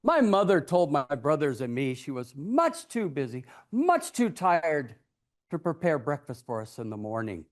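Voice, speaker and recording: Animated man telling a theatrical tall tale. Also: fairly high pitch. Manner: dramatic, deliberate delivery with acted-out voices. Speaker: club storyteller giving a speech.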